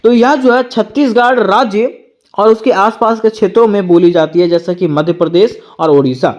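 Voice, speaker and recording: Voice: medium pitch, normal speed, darkish tone, highs cut off. A tutor giving an exam-prep lecture, asking rhetorical questions and answering them, repeating each point twice.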